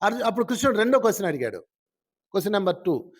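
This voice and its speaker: A man's voice: sits high, big pitch swings, racing, breathy edge. A male spiritual teacher speaking to a live audience in a folksy, teasing way, asking them question after question.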